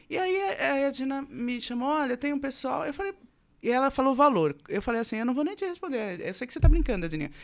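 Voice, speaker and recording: Over a quiet background, a woman talks very fast in a high voice with very wide pitch swings. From Brazil, São Paulo city. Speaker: country music singer; podcast guest. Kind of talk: casual interview conversation. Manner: animated. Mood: lively, humorous storytelling. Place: studio. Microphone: studio mic.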